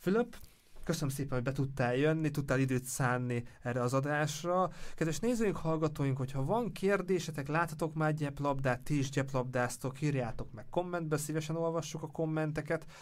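A man with a plain, everyday voice talks at a fairly quick pace, his fairly high pitch showing ordinary variation. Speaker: radio host. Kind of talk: interview. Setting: studio.

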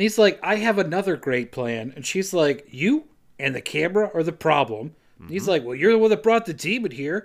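Lively intonation in a natural reading voice

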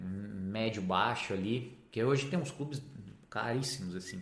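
A man's somewhat breathy voice is heard with audible room echo. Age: 30s. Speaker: primary school teacher. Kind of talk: live online class, conversational. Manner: halting, many fillers and restarts.

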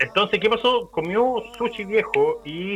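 A man speaks at a very slow pace, his pitch swinging very widely. Noticeable background noise runs underneath. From Chile, Talcahuano. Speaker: podcast guest. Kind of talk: casual chat.

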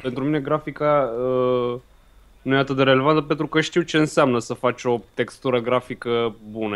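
A man with an unremarkable speaking voice talks at medium pitch and a moderate pace, his intonation fairly even. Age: 20s. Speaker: live streamer, game dev student. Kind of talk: casual chat.

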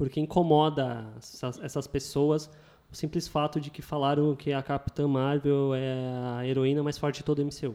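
A man with a dark, mellow tone speaks at a moderate pace and fairly high pitch. His intonation is monotone and flat. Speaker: podcast co-host and film youtuber. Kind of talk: casual chat.

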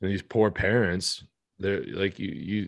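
On a very clean recording with a silent background, a man with an American accent speaks in an unremarkable speaking voice at a moderate pace and a fairly low pitch. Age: 30s. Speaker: podcast host. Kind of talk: casual chat.

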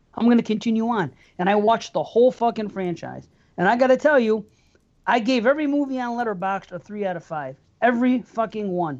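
Speaking at a very fast pace, a man with a high voice uses an animated tone and lively intonation. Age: 40s. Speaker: podcast host. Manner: loud, animated, ranting and profane, rambling, self-interrupting.

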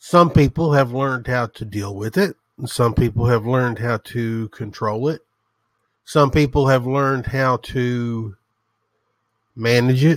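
On a very clean recording with a silent background, a man speaks at medium pitch with ordinary pitch variation. His pace is fairly slow, with long, frequent pauses. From US South. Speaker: podcaster. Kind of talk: solo podcast monologue, casual. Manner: casual, informal, with fillers.

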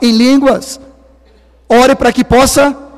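Recorded dry and close with no echo but with noticeable background noise, a man speaks at a moderate pace in an extremely high pitch with monotone, flat intonation. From Sweden. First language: Swedish (speaking Portuguese). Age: 60s. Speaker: pastor. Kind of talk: sermon.

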